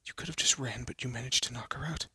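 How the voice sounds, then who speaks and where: A man playing a haughty but secretly soft young elf prince in a scripted roleplay audio drama, with a pompous, formal manner and a breathy, often hushed voice. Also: mid-range voice, quick pace, no echo, heavily acted. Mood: flustered, moved. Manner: pompous, formal, flustered stammering.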